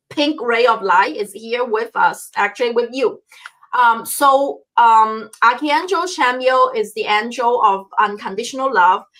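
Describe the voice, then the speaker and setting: At a fairly slow pace, a woman with a non-native accent speaks in a high pitch with lively intonation and a bright, sharp tone. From China. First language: Chinese. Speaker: spiritual reader and author. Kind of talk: live psychic message reading. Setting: livestream. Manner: halting with many fillers.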